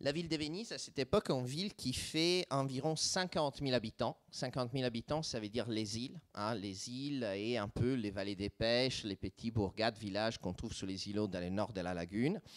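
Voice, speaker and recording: A man with an Italian accent speaks at a fairly quick pace in a medium pitch, with lively intonation and a dry, close sound with no echo. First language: Italian (speaking French). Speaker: historian. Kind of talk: conference talk. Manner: hesitant, many fillers.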